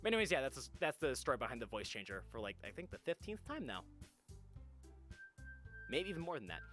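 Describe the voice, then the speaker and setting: Animated, bright-voiced male game streamer. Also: mid-range voice, brisk, soft background music. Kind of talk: casual live game stream chat.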